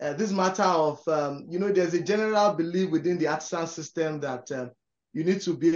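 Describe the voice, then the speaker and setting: Speaking at a fairly quick pace, a man talks with a high voice. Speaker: program moderator. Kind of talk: panel discussion. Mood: warm, earnest, smiling. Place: studio.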